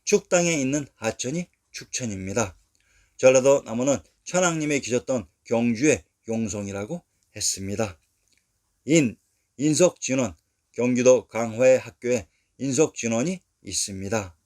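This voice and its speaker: A man reads a scripted history lecture at a steady pace. He sets out each place name and its source one at a time, in a measured way. His pitch sits in an ordinary middle range. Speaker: narrator of a history lecture video.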